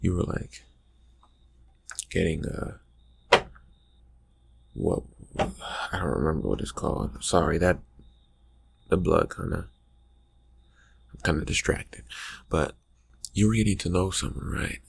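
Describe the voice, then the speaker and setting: Guy doing a moody distracted vampire buddy for asmr, super crackly low mumble, slow, keeps trailing off. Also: full character voice. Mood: casual, teasing. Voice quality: breathy, husky, gravelly low murmur. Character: brooding, distracted young male vampire friend, slyly teasing. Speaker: ASMR roleplay performer. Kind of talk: ASMR roleplay, improvised soft talk to the listener.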